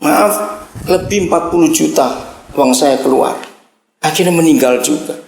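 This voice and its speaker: A man preaching a sermon as pastor, impassioned and at times shouting, often calling out to his congregation. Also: a little high, normal speed, vocal fry, roomy sound.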